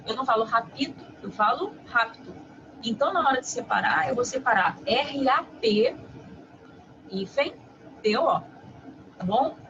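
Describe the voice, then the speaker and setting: A woman teacher giving a review lesson, explaining step by step in a didactic way and often checking in with quick tag questions. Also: high-pitched, vocal fry. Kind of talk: online lesson. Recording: muffled with steady background noise.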